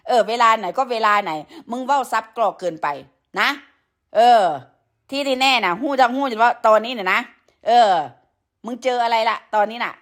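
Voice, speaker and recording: A woman's voice: fairly high pitch, moderate pace, a bit bright. A woman with an Isan Thai accent and a sore throat from a cold, ranting crudely and scolding at length in a live stream, with many fillers. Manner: crude, scolding, heavy with profanity; peppers talk with fillers. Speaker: livestreamer addressing followers.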